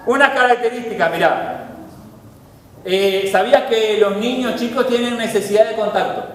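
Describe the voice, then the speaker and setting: A man with a Uruguayan accent preaching a sermon as pastor, emphatic, swinging between loud pleas and soft low asides. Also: normal speed. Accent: Uruguayan Spanish. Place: church hall. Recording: echoey hall with faint noise.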